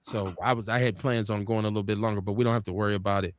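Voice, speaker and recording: Racing along in a dry recording, a US man with an urban Black American accent runs a live online talk show. He's casual at first and reads viewer comments aloud, but becomes animated and sermon-like as he makes his case, leaping high in pitch.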